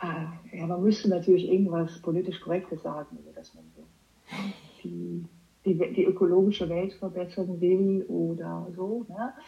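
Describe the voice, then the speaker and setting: A woman speaks with a Dutch accent at a fairly low pitch, her intonation fairly even. Her loudness swings widely, and music plays behind her. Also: fairly slow pace. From Netherlands, Amsterdam. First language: Dutch (speaking German). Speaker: managing director of a patient organization. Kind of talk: interview. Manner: halting.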